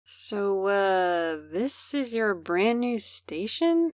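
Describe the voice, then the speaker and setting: A woman's voice: mid-range voice, very animated, drawn-out words, a little mellow, dry recording, studio quality. A woman playing a poised, courteous, faintly condescending character with formal, polished speech in an audio drama. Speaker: voice actor.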